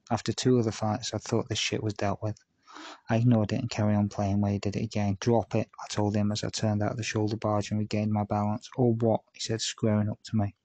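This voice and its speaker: A man's voice: on the low side, warm tone, no echo. A man reading his first-person true-crime memoir aloud, telling it steadily with dry, self-aware asides. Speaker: audiobook narrator.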